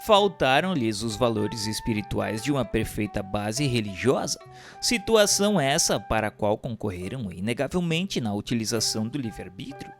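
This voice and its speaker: A man's voice: mid-range voice, very animated, normal speed, faint music behind. A man with a Brazilian accent giving a solemn scripted narration of a spiritual text, in a formal, declamatory manner.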